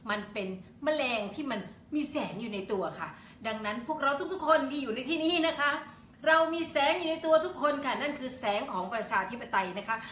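An older woman hosts a chatty political live stream, laughing often and calling out viewers' names. Her voice sits a little high and is bright and forceful. She records in an echoey room with faint hiss behind her. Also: expressive, brisk. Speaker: political livestream host. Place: indoors at home.

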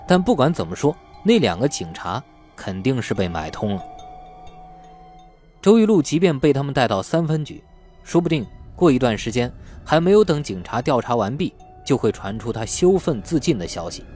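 A man's voice: mid-range voice, a little mellow. A man narrating a novel in a scripted audiobook style.

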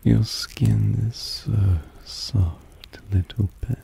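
A man playing a possessive, softly dominant vampire in an intimate ASMR roleplay, breathy and often half-whispered, teasing and coaxing. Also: lowish voice, fairly even intonation, drawn-out words, slight background noise, heavily acted. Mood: tender, possessive. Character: possessive, softly dominant male vampire doting on his pet.

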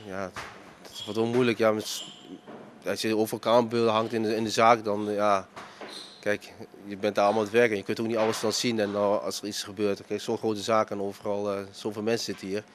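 Guy in his 30s talking into a reporter mic in his restaurant, lots of uh, flat low voice. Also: noisy background. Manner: halting, many fillers and restarts. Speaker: restaurant owner. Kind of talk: news interview. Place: inside a restaurant dining room. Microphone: handheld reporter mic.

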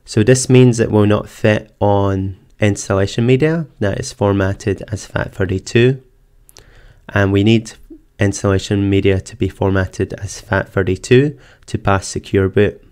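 Man, low voice, smooth and clear, methodical tech tutorial voice-over. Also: measured pace, a little mellow. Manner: methodical step-by-step explaining. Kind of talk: screen-recorded software walkthrough. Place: voice-over for screen capture.

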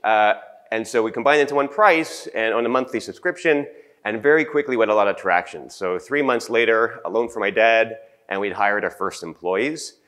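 A man's voice: fairly low pitch, moderate pace, a bit bright. Groggy chatty man on stage. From Canada. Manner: chatty, self-deprecating, many fillers and restarts. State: groggy morning voice, clears throat. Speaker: conference speaker. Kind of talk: casual conference talk. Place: conference room. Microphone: handheld mic.

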